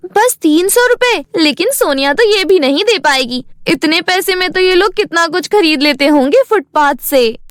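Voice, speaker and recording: A woman's voice: very high-pitched, animated, moderate pace, no room sound, clean studio sound. A woman voicing a mean, snobbish rich schoolgirl in a cartoon story, haughty and taunting. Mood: scornful.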